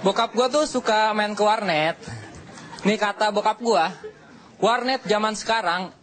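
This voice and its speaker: A man's voice: high voice, a little slow, music in the background, crowd noise. A young man performing a stand-up comedy set on a TV studio stage, telling punchy stories in casual slang. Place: TV studio stage with live audience. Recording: loud audience laughter and noise.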